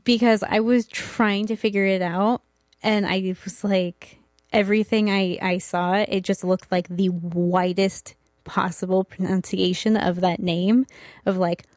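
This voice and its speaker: A woman's voice: medium pitch, steady tone, measured pace, a little mellow, no echo, clean studio sound. A young woman co-hosting a podcast, introducing a comic in a friendly, hesitant way. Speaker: podcast co-host. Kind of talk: casual chat about comics.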